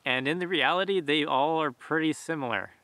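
A man in his thirties chats to camera in a forest with a bright, forceful voice. His talk is relaxed and loose, full of fillers, and the sound is dry and close. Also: a little high, fairly quick, no room sound. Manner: relaxed, conversational, lots of fillers. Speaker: bushcraft channel host. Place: outdoors in a forest. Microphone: camera at close range.

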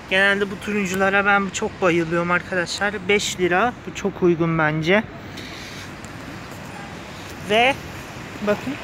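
A man speaking through a face mask, slightly muffled, giving an enthusiastic, gushing casual vlog commentary to viewers. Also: sits high. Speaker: vlogger. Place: outdoors on a street pavement outside a flower shop. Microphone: handheld phone behind the camera. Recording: street noise with passing cars. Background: cars, outdoor urban ambience.

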